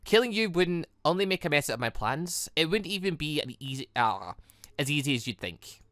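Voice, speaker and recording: Guy reading scheming evil woman from a visual novel, controlled and taunting, bright voice, dry sound. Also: fairly high pitch, big pitch swings, normal speed, dry recording. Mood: cold, threatening. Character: menacing, calculating female villain in a visual novel. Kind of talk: reading game dialogue aloud.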